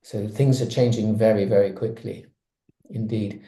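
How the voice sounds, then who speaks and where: Mellow-voiced man on an echoey call. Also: lowish voice, steady tone, normal speed. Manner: conversational, explains with examples. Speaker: panelist. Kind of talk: webinar panel discussion.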